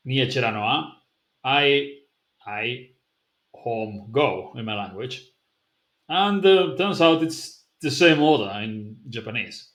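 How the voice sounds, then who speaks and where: Male vlogger, loose musing delivery, mid pitch, echoey room. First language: Basque. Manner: conversational, musing, loose explanations. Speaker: language-learning vlogger. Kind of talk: casual vlog, thinking aloud to camera. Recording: roomy echoing room.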